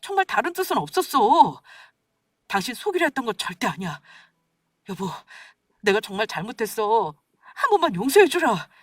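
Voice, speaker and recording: A sheepish husband who stammers and begs, as a woman reader voices him. The voice sits fairly high and swings up and down, heard dry and from a step back from the microphone in a storybook-style audio drama. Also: big pitch swings, normal speed, breathy edge, no echo. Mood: pleading. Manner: stammering, pleading. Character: sheepish scheming adult husband, man. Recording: dry, distant from mic.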